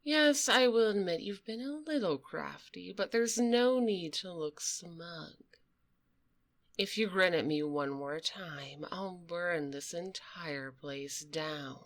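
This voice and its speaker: A woman playing a sassy, menacing female dragon debt collector for the mob in a close, soft-spoken ASMR roleplay, with a cool, taunting, condescending delivery. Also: lowish voice, expressive, takes it slowly. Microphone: close binaural microphone.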